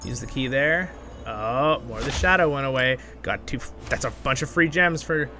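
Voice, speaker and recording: A man hosting a gaming video with casual, excitable commentary, talking half to himself and half to his viewers. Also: medium pitch, normal speed, soft background music. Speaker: gaming channel host. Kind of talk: casual gameplay commentary, with expressive story reading.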